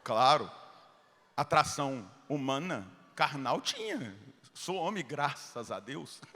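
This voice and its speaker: Brazilian padre middle aged, bright tense voice, storytelling sermon, loud then hushed, long echo in a big hall. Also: male voice, medium pitch, very slow, pauses often. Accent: Brazilian Portuguese. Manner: animated, acts out dialogue, swings from loud to hushed. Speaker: Catholic priest.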